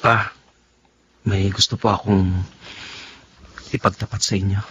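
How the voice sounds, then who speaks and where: A Filipino actor playing a gentle, anguished young gay man in a melodramatic radio drama, hesitant and pleading. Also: lowish voice, flat delivery, a little slow, a little hiss or hum. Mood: nervous confessing. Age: young adult. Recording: studio radio drama with music underneath.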